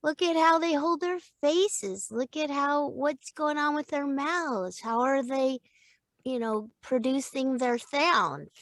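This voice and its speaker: A chatty middle-aged woman with a fairly high voice talks about coaching actors, lively and quick to laugh. The sound is close and dry, with no room behind it. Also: no room sound. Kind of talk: casual interview chat.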